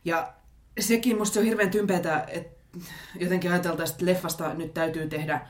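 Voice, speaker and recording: A woman co-hosting a casual chat, playful and animated, tossing out jokey ideas. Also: on the low side. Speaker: podcast co-host. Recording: roomy echo.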